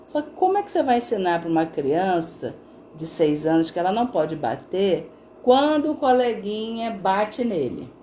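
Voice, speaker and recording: A woman's voice: medium pitch, sing-song, normal speed, warm tone, a little hiss or hum. A middle-aged woman therapist talking casually on a live stream, telling stories with frequent tag questions. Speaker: integrative therapist.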